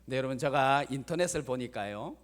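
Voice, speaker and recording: A male pastor delivering a Sunday sermon, with emphatic rises and soft asides. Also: medium pitch, lively intonation, fairly quick. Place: church sanctuary.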